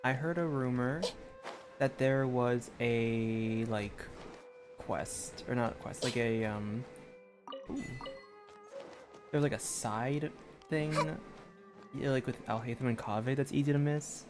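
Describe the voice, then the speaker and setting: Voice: medium pitch, fairly even intonation, slow pace, pauses often, over music. A game streamer giving casual, reactive live commentary in a hesitant, rambling way.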